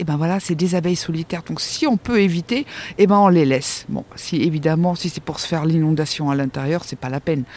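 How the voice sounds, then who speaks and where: Talking at a very fast pace, a woman with a fairly low pitch shows ordinary pitch variation over noticeable background noise. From Germany. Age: 50s. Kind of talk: casual chat. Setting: outdoors.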